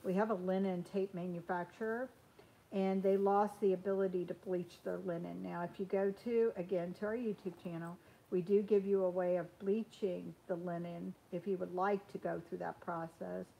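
A woman's voice: fairly low pitch, fairly even intonation, moderate pace, gravelly, dark tone, low-quality recording. A woman in her sixties chatting casually on a live stream while hand sewing at a table in a small sewing room, with frequent ums and restarts.

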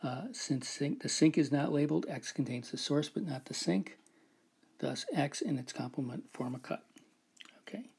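Male lecturer, slightly husky, patient step-by-step explainer of a proof, recorded whiteboard lesson. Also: fairly high pitch, normal speed, a little mellow. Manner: explains step by step, often adds "right?" and "so".

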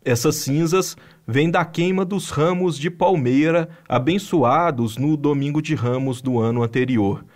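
A man with a Brazilian Portuguese accent reading a scripted news voice-over in an even, measured way. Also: fairly high pitch. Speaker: news narrator.

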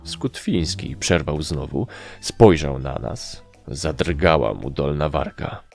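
Deep, slow male audiobook narrator. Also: expressive, gravelly, darkish tone. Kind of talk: audiobook reading. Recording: faint background music.

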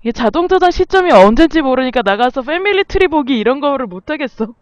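A woman's voice: high voice, expressive, quick pace, dry recording, highs cut off. A woman casually commenting on a video game as she plays, chatting to the animals on screen. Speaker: game streamer. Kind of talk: casual let's-play commentary.

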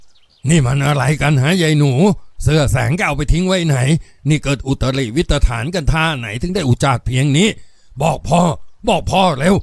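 A man voicing a hot-tempered, wealthy old father who scolds loudly. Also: lowish voice, expressive, a little slow, no room sound. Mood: angry. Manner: loud, scolding.

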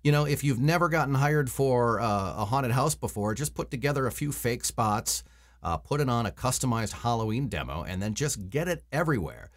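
A man in his forties speaks at a medium pitch in a conversational coaching style. He explains things casually and stresses key points by repeating them. He sounds like someone recording a tutorial at a desk in a small room at home. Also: animated, moderate pace. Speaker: voice-over coach and voice actor. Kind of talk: casual instructional vlog to camera.

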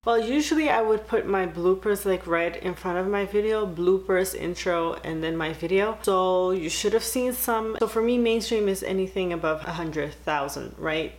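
A woman's voice: medium pitch, moderate pace, hardly any pauses. A young woman from the Netherlands chatting casually in a beauty vlog, full of likes and ums. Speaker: beauty vlogger. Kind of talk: casual tag video chat.

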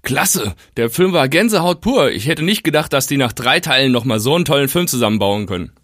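A man's voice: medium pitch, animated, fairly quick, fairly bright tone, no room sound, studio quality. A man playing an enthusiastic film fan chatting in a German audio drama.

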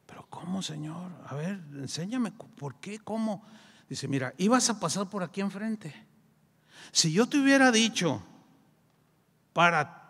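A man with a Mexican accent preaching a sermon, telling a story with lively acted-out dialogue. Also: sits high. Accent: Mexican Spanish. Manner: animated storyteller, acts out dialogue. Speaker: pastor. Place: church sanctuary. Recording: long church hall reverb.

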